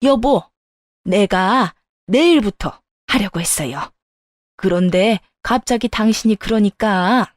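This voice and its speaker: An arrogant, spiteful mother-in-law, voiced by a woman, shrill and quick to yell or whine. The sound is dry and close, at an ordinary pitch for a woman. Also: dry recording, close to an everyday voice. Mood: pleading. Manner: yelling, then whiny pleading. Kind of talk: storytelling dialogue.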